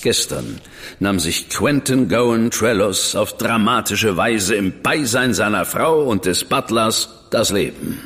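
An actor playing a reserved, measured investigator in a radio drama. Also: male voice, fairly low pitch, lively intonation, fairly bright tone. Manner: measured, dry, withholding. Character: cool, reserved male investigator, brother of a famous detective. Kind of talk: German radio drama acting. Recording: long reverb with music behind.

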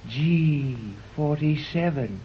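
An actor playing a haughty, condescending man of a hidden scientific colony, speaking in a slow, pompous way in a 1930s radio drama. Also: a little high, a little hiss or hum. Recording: dull old 1930s radio recording.

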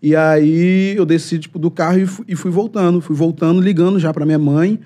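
A man, a podcast guest telling a story in a casual, animated and slangy way, acting out what people said. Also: on the high side, a little fast. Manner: animated, slangy, acts out quotes.

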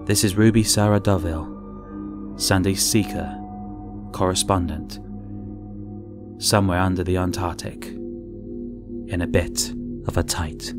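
A man reading an audiobook, voicing a frightened, trapped woman journalist who mutters urgently, swinging between loud outbursts and whispers. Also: low-pitched, steady tone, takes it slowly, long pauses, music in the background. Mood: frightened, desperate. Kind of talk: first-person audiobook reading.

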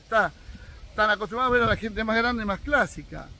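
A man's voice: high voice, fairly quick, sharp tone, slight background noise. A man in his sixties with an Argentine accent, giving his opinions straight to viewers in a casual fishing vlog, speaking outdoors on his land. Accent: Argentine Spanish. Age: 60s. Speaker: fishing vlogger.

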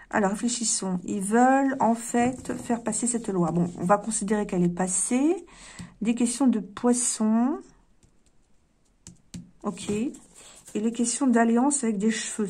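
A woman lays out cards and talks her viewers through each one, thinking aloud with plenty of fillers and restarts. Her voice sits a little high, and she muses more than she lectures, turning each card over in casual chat. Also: dark tone. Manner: musing, talks straight to viewers. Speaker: card reader. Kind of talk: casual card reading to camera.

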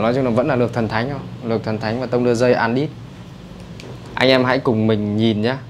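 A man with a Northern Vietnamese accent giving a brisk, chatty hands-on haircut tutorial in a barbershop. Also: mid-range voice, background noise. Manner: brisk, chatty, addresses viewers as brothers. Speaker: barber instructor. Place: barbershop indoors.

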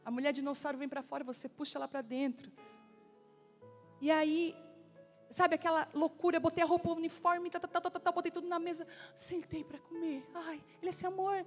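A woman pastor in her forties preaches from the pulpit, with a high voice. She tells stories and acts out dialogue in lively bursts. Soft music plays faintly behind her. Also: fairly quick. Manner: animated storytelling with acted-out dialogue. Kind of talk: sermon. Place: church.

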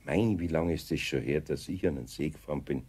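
An actor playing an older, good-natured but grumbling master carpenter in a children's audio play, with a Bavarian accent and a gravelly, husky voice. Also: male voice, a bass voice, brisk, dark tone, slight background noise. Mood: friendly.

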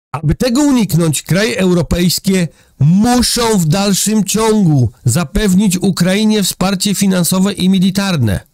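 Middle-aged vlogger, indignant and sarcastic commentary, slightly high voice, dry room. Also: male voice, darkish tone, dry recording. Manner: indignant, sarcastic, addresses viewers directly. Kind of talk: opinionated news commentary. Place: indoor room with a large window over a city.

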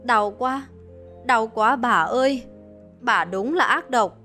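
A woman's voice: medium pitch, moderate pace, bright, forceful tone, faint music behind, close to an everyday voice. A woman voicing a suffering young pregnant village girl, wailing and pleading in pain. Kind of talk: dramatized horror storytelling.

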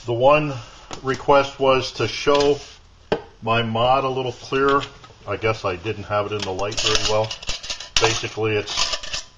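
A man giving a casual hands-on demonstration at a workshop bench, explaining each step in a plain, unhurried way. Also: medium pitch, little pitch movement, background noise. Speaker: outdoor gear video maker. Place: workbench in a home workshop. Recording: dull lo-fi camera audio.

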